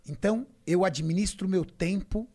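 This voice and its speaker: A middle-aged man from Brazil with a somewhat high voice, talking emphatically as an interview guest. He recounts his training life and acts out the conversations he quotes. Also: normal speed, mellow. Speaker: bodybuilding champion guest. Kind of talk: podcast interview storytelling.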